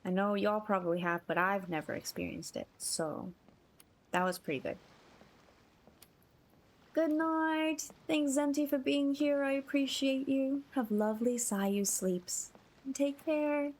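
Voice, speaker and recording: A woman's voice: high voice, steady tone, measured pace. A woman livestreaming a game, chatting casually and gushing in a friendly way to her viewers. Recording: game music behind the voice.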